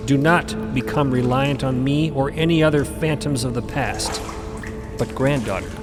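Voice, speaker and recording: A man's voice: medium pitch, normal speed, lightly acted. An actor playing a wise, exasperated male cosmic mentor in a fantasy audio drama, pontificating with dry, impatient asides. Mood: serene, instructive. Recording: long cavernous reverb under loud music.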